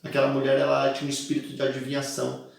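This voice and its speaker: A Brazilian man preaching a sermon as pastor, teaching with emphatic repetition and dramatic pauses. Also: medium pitch, completely flat delivery, vocal fry. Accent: Brazilian Portuguese. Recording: echoey room, voice from a distance.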